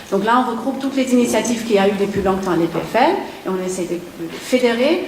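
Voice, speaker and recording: A woman with a non-native accent speaks fairly quickly in a fairly high pitch with lively intonation. Audible room echo and noticeable background noise are present. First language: not French (speaking French). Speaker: education researcher. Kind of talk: conference talk. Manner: halting, many hesitations.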